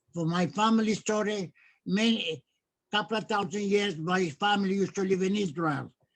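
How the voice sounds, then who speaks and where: A man with a high pitch speaks at a moderate pace, his pitch varying in an ordinary way. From Greece. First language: Ladino (Judeo-Spanish). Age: 90s. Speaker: Holocaust survivor. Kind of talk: testimony. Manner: halting.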